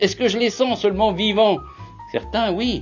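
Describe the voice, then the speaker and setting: Music plays in the background while the talking moves at a moderate pace. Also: man. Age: 70s. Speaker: retirement coach. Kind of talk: motivational talk to camera. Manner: casual, conversational.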